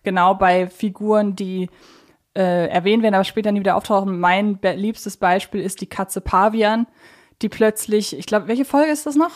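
A woman's voice: mid-range voice, moderate pace. A woman, co-hosting a podcast and talking things through in a casual, reasoned, explanatory way. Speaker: podcast co-host. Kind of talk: casual fan discussion.

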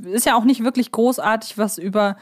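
A woman's voice: a little high, brisk. A woman co-hosting a casual discussion, speaking tentatively and often checking for confirmation. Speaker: podcast co-host.

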